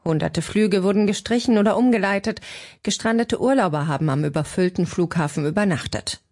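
A woman correspondent delivering a clear, formal news report. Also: mid-range voice, brisk, darkish tone.

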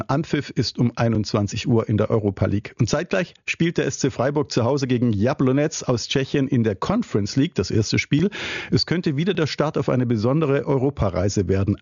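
A man presenting the sports news on the radio in a steady, even read. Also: mid-range voice, dry recording. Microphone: studio microphone. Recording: slightly dull radio broadcast audio.

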